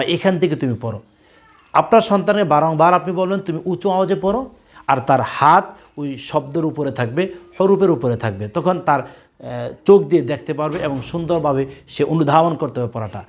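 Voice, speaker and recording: A man with a Bangladeshi Bengali accent teaching a recorded Quran and tajweed lesson for young children, drilling syllables slowly and loudly and explaining in a measured, formal teaching cadence. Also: medium pitch. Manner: drills syllables slowly and loudly, then repeats each word.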